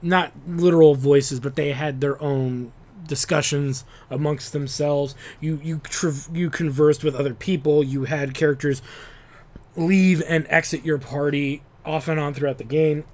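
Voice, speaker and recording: A man's voice: fairly high pitch, steady tone, a little slow, a little mellow. A man, host of a retro game talk show, rambling in a casual monologue full of swearing and restarts. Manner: rambling, profane, restarts often.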